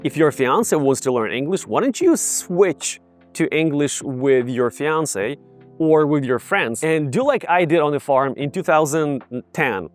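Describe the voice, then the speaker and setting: Ukrainian guy with an accent giving english tips, upbeat and kinda high voice, faint music under it. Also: lively intonation, unhurried. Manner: upbeat, direct, addresses viewers as "you guys". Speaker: English tutor. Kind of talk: casual teaching to camera.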